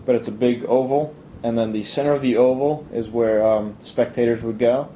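A young man from Italy chatting casually in an interview, relaxed and halting, with lots of fillers and restarts. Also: medium pitch, slight background noise, low-quality recording. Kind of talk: casual chat.

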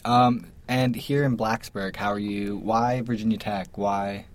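A man's voice: fairly low pitch, fairly even intonation, measured pace. A young man from New Jersey with an American accent runs a casual interview. He puts his questions informally and keeps an easygoing, conversational manner. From New Jersey, United States.

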